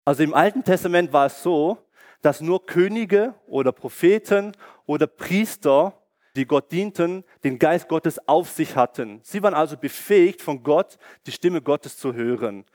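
A man preaching a sermon emphatically, asking rhetorical questions with bursts of excitement. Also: on the high side, normal speed.

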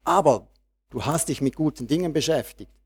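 A man preaching a sermon, reading Bible verses slowly and then speaking freely and directly to his congregation. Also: on the high side, animated, husky.

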